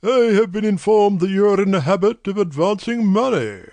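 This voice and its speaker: Man voicing a lofty nobleman, high-pitched, insistent, imperious, in a storybook reading. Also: animated, normal speed, darkish tone, no echo. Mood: haughty urgent. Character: aristocratic male client, haughty, hurried.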